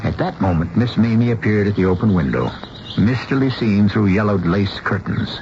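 An actor narrating a radio mystery drama as a measured storyteller. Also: male voice, fairly low pitch, expressive, darkish tone. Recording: muffled, clearly noisy radio recording.

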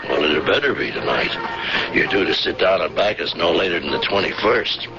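An actor playing a sly, jovial smuggler and shady dealmaker in a 1970s radio drama, with folksy, slangy hustler's patter. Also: male voice, low voice, expressive, fairly quick, creaky. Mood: eager, coaxing. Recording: dull vintage radio recording with music.

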